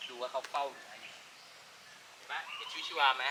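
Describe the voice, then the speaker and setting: A man working as a dog trainer, quickly coaching owners through a training session outdoors. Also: mid-range voice, fairly even intonation, far from the mic, background noise. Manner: quick, instructive, talks directly to the owners.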